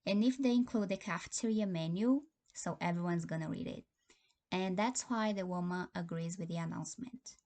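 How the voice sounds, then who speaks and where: Young woman, low voice. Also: normal speed, darkish tone. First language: Portuguese. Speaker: test taker giving sample answers. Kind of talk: timed spoken exam answer.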